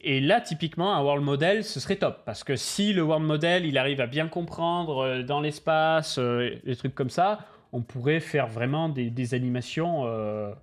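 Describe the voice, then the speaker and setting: A man's voice: on the high side, normal speed, few pauses. A man hosting a livestream, talking casually, bluntly and animatedly, with lots of slang and swearing. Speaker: crypto channel host.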